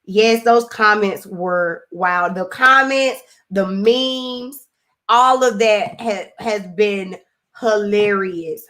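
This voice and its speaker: A young woman with a Southern accent talks casually on her live stream and reads comments from her viewers. She laughs often and stretches her words out in a lively, drawling way. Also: mid-range voice, very slow.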